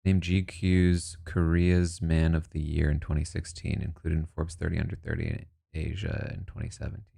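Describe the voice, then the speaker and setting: A man's voice: very deep voice, completely flat delivery, moderate pace, gravelly, few pauses, warm tone. A man casually commenting and thinking aloud as he reacts to news about a reality show cast. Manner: musing, thinks aloud, asides.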